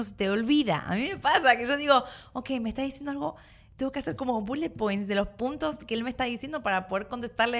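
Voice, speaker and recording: A woman's voice: on the high side, fairly bright tone. A woman co-hosting a couples chat, talking in a chatty, giggly way and telling stories from her own relationship. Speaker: co-host of a couples show. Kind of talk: casual chat.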